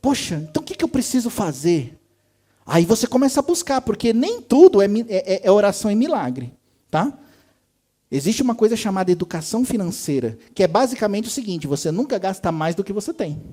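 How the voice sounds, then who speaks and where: A man's voice: high-pitched, very animated, a little fast, warm tone. A man preaching a sermon as a pastor. He talks in a conversational way and acts out the voices he quotes. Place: church service.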